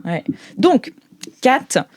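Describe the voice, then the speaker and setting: Woman game master, informal n giggly, halting narration, really dry close mic sound. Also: high voice, sing-song, a little mellow, dry recording. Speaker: game master, show host. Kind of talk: improvised tabletop game narration.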